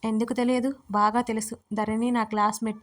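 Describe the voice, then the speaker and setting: A woman's voice: fairly high pitch, flat delivery, brisk, natural voice. A woman voicing a nervous, deceitful young man who speaks evasively and pleads in a Telugu audio story. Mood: pleading.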